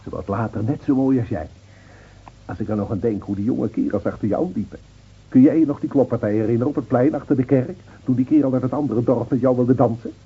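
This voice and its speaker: Very husky older village man. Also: medium pitch. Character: gentle older village man, reminiscing old friend. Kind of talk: Dutch radio drama acting. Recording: dull old radio recording.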